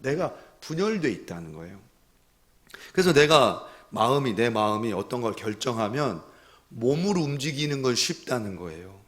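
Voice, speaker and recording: A male pastor preaching a Sunday sermon. He tells his story quietly at first, then builds to loud, impassioned pleading, often speaking straight to the congregation. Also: medium pitch, very animated, moderate pace. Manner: earnest, addresses the congregation directly.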